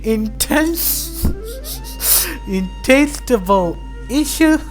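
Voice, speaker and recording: A woman's voice: a little high, expressive, extremely slow, soft background music. A woman streaming gameplay, reacting casually with giggly, enthusiastic fan commentary. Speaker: gaming streamer.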